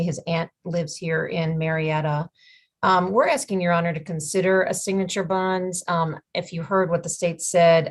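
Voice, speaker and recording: A woman defense attorney makes a persuasive case for her client over a video call. Her voice sits fairly low. She addresses the judge directly as she argues. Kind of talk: formal courtroom argument.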